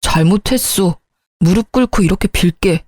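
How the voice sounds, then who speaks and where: A woman's voice: mid-range voice, moderate pace, a little mellow, no room sound, clean studio sound, lightly acted. A woman voicing a remorseful young husband who begs his wife to forgive him in a coaxing tone, in a storybook reading. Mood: pleading. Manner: coaxing, begging.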